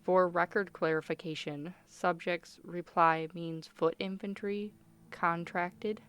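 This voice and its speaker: Woman playing a low-voiced, clinical interrogating doctor. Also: steady tone, slow pace, clear, resonant tone. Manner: formal, controlled, official. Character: clinical, firm female doctor interrogating a prisoner. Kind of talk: radio play acting.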